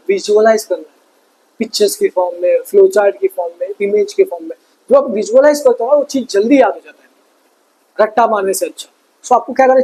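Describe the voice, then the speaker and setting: Husky high-voiced man giving study tips. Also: warm tone, poor audio. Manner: fatherly, calls viewers "beta", repeats advice. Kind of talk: motivational study advice talk.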